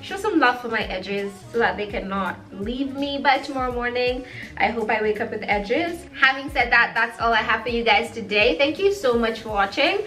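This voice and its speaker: A woman's voice: on the high side, normal speed, sharp tone. A young woman chatting through a hair tutorial vlog, playful and sassy with giggly asides. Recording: echoey room with faint music.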